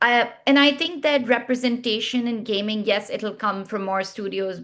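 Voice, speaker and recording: A woman with a Pashto accent speaks at a moderate pace with a fairly high pitch. Her pitch varies in an ordinary way over a quiet background. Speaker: game platform founder. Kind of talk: panel discussion.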